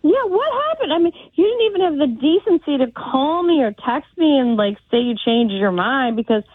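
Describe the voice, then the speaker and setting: A woman's voice: high-pitched, lively intonation, moderate pace. A woman from Sweden on a phone call, speaking in an articulate, indignant way. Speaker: caller. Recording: tinny phone line.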